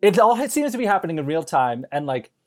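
A woman in casual comedic podcast chat, giggly and sweary, talking in an animated way. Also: on the low side, fast talker.

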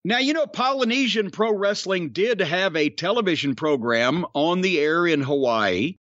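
A man's voice: sits high, lively intonation, moderate pace, fairly bright tone, no room sound, muffled recording. A middle-aged man, hosting a wrestling podcast, drawling and storytelling as he quizzes his co-host. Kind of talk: casual wrestling podcast chat.

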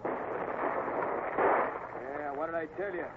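Rough rustler boss, tinny old radio. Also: male voice, on the high side, steady tone, slow, noisy background. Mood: cautious, commanding. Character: rough male cattle-rustler boss, cagey and greedy. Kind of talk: old radio Western acting.

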